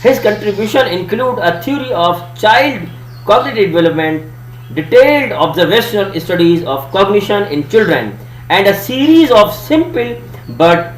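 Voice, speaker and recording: High, animated South Asian man presenting, echoey room. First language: Urdu. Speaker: student presenter giving a lesson. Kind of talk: educational presentation. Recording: echoey room, faint hum and hiss.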